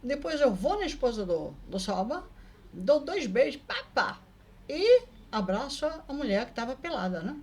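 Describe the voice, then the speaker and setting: A woman vlogger telling a personal story in a casual, lively way, often adding quick tag questions. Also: sits high. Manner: lively, acts out the people in her story.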